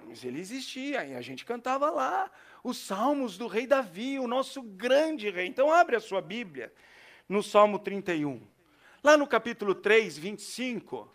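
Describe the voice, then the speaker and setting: A middle-aged man with a Brazilian Portuguese accent, preaching a sermon as a pastor and telling stories, swinging between loud and hushed. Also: high-pitched. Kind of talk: storytelling sermon.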